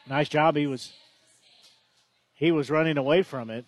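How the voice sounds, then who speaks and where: A male play-by-play baseball announcer with a slightly higher voice, recorded close and dry. He talks in a loose, conversational way and keeps correcting himself as he calls the action. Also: moderate pace, no echo. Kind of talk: baseball commentary.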